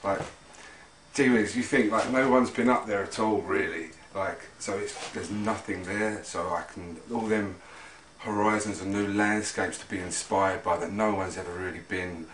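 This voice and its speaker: An actor playing a dreamy twenty-nine-year-old jazz musician, who talks in a hesitant, spacey way full of fillers. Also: male voice, on the low side, fairly even intonation, normal speed, fairly bright tone, a little hiss or hum, lightly acted. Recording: echoey room, mic far off.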